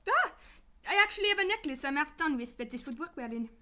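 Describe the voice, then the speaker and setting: A woman playing a sassy, irreverent detective's assistant in a sci-fi radio drama, breezy and deadpan. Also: high voice, fast talker, exaggerated voice. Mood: breezy, wry. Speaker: actress in a radio play.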